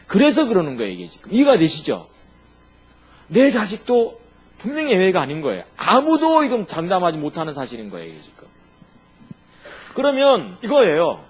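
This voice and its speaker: A man's voice: high voice, moderate pace, pauses often, slightly rough. A man preaching a sermon as pastor, often asking the congregation questions and laughing at his own jokes. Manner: lively, emphatic preaching with sudden loud and quiet turns.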